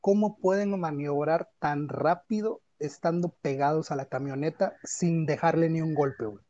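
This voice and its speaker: A man's voice: on the high side, normal speed, warm tone, highs cut off. A man with a Mexican accent chatting casually and telling personal anecdotes in informal, slangy speech.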